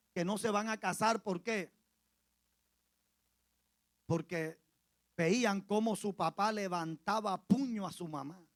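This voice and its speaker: A male pastor with a Colombian Caribbean accent preaches a sermon as a story, repeating phrases for emphasis and swinging from soft asides to loud cries. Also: sits high, dry recording. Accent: Colombian Caribbean Spanish.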